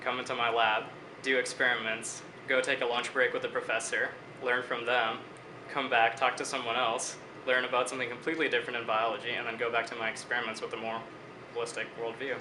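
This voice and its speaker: A man's voice: mid-range voice, little pitch movement, noisy background. Articulate young man in an echoey room. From Bangladesh. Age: 20s. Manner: measured, articulate, reflective. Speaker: student interviewee. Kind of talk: interview answers.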